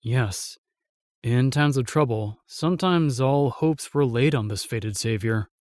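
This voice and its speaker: A man's voice: mid-range voice, darkish tone, no room sound, studio quality, close to an everyday voice. Man acting a solemn, remorseful fantasy knight. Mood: grave, reluctant. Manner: halting, weighty storytelling with sighs and pauses. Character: solemn, remorseful knight, sworn protector of the realm. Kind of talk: fantasy audio drama acting.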